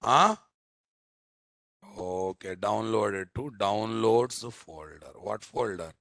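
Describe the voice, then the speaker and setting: Slow and forceful, this man has a mid-range, gravelly, bright voice recorded with no echo. Teaching a live programming class in a Telugu Indian accent, the software instructor speaks emphatically, repeats phrases, and keeps quizzing his listeners with short tag questions.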